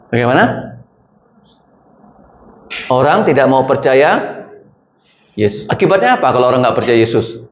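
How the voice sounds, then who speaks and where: A man gives an interactive sermon at an everyday pitch, questioning his listeners and calling on them by name. His colloquial delivery swings between loud emphasis and quiet asides. The recording is dull and lo-fi, with a roomy echo. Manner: colloquial, rising and falling emphasis. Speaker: preacher teaching a class. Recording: echoey room, dull lo-fi sound.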